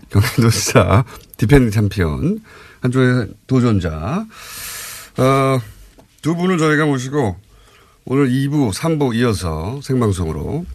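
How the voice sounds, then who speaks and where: A man's voice: medium pitch, sing-song, measured pace, no room sound. A man hosting a live radio current-affairs show, talking in an informal, opinionated way with rhetorical questions.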